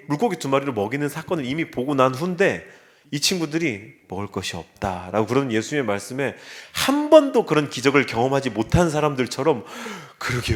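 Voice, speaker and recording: A man preaching a sermon as pastor in a church, earnest, with wry quips and acted asides. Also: mid-range voice. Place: church sanctuary.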